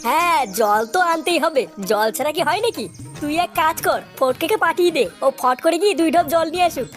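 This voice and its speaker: A bossy young gang leader from a village comedy cartoon, played by a woman, in a very high squeaky voice. He talks fast, scoffing and giving orders with crude slang. There is music in the background.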